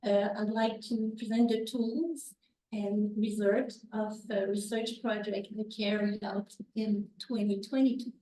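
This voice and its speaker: In an echoey lecture room, with the mic well away from her, a woman delivers an academic conference presentation in English. She is a university researcher, a native French speaker with a Quebec French accent, and her talk is hesitant, packed with fillers and restarts. Her voice is medium-pitched and dark, steady in tone and measured in pace.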